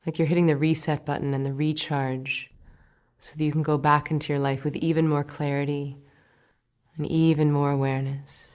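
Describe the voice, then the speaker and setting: Lady w a low voice leading a breathing meditation, soft n soothing, slips into whispers. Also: flat delivery. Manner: slow, soothing, gentle instructions with soft whispered words. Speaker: meditation teacher. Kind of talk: guided meditation.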